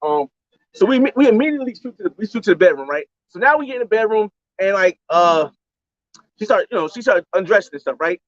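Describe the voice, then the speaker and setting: A man with a high voice for his sex tells a long story in loose, slangy talk, circling back to repeat himself. The sound is dry and a little dull and lo-fi. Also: expressive, fast, no echo. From United States. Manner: rambling, slangy, repeats phrases. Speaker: travel vlogger. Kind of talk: casual storytelling on a livestream.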